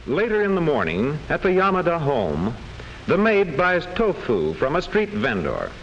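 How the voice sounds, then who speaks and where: A man's voice: fairly high pitch, huge pitch swings, moderate pace, fairly bright tone. A man with an American accent reading scripted 1940s classroom film narration in a formal, precise storytelling manner. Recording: faintly noisy old film soundtrack.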